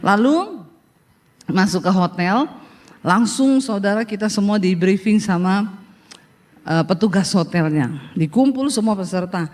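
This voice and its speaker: A woman preacher, telling a humorous story in a sermon, acting out the dialogue and teasing her listeners. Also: medium pitch. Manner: lively storytelling, acts out dialogue, teases the audience.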